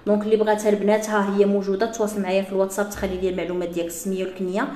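A woman with a Moroccan Arabic accent, chatting through a live sales pitch for jewelry to her female viewers. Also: little pitch movement, racing, mellow, echoey room. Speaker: jewelry seller.

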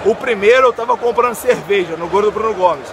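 A young Brazilian man, drunk, giving a loud, boastful, profane post-match rant as a football fan vlogger. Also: high voice, fairly quick. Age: young adult. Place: outdoor football stadium stands. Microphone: phone at arm's length. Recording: noisy stadium crowd recording. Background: crowd and stadium noise.

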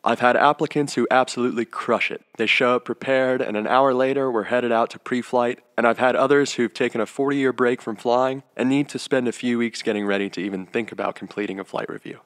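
A man's voice: medium pitch, fairly even intonation, brisk, few pauses, a bit bright, dry recording. A man who works as a flight instructor, narrating a slide lesson in a matter-of-fact way with offhand jokes. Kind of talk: scripted narration over slides.

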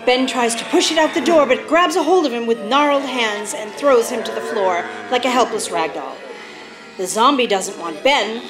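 A woman's voice: a little high, animated, moderate pace, poor audio. A woman in her thirties giving dramatic scripted narration for a radio play on a stage. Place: theater stage. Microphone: stand microphone. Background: loud music.

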